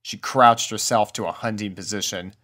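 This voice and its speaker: A man's voice: lowish voice, fairly even intonation, moderate pace, noisy background. A man reading a scripted story aloud as the narrator of fan fiction.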